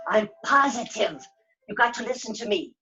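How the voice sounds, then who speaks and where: A woman's voice: on the high side, animated, moderate pace, bright, forceful tone. A woman voicing a blunt, cheeky creature sidekick in a puppet show, insistent in manner. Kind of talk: puppet show character acting. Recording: dull, lo-fi sound.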